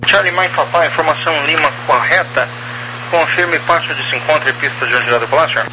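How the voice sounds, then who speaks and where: A man with a Brazilian accent working as an air traffic controller, giving procedural clearances over two-way radio. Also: on the high side, brisk. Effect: aviation two-way radio. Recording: noisy radio channel with hum.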